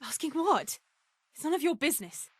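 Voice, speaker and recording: A young woman voicing a defensive, bitter young woman in a video game, with a sharp, guarded delivery. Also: sits high, animated, normal speed, no room sound. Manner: sharp, guarded, flares into shouting. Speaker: game character.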